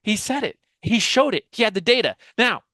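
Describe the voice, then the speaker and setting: An American man in his forties, an author and business speaker, answers a podcast interview question explanatorily over a video call from a small, dim home office. His high, bright voice is lively, fairly quick and forceful, emphatic with repetition and rhetorical questions. He uses a headset microphone, and the studio-quality recording is dry.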